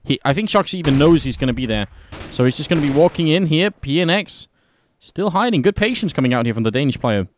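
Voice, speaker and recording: A man commentating a live esports match, brisk play-by-play that lifts in energy during the action, on a headset mic. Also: a little high, animated, background noise.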